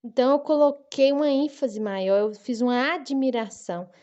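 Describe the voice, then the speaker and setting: A woman teaching a children's lesson, speaking slowly and clearly in a sing-song manner for young kids. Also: high-pitched, dark tone, lo-fi sound. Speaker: primary school teacher. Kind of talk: recorded online lesson for children.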